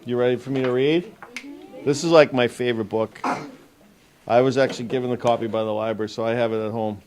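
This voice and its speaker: A man's voice: mid-range voice, steady tone, quick pace, darkish tone. Casual man addressing children, noisy recording. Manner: informal, addresses children directly. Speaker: police school resource officer. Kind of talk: casual talk and story reading aloud to children. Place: public library story time with children. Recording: noisy room, background noise.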